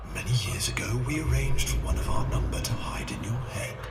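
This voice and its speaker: A man talks at a fairly quick pace in a put-on character voice over loud background noise. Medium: short film. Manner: solemn, measured.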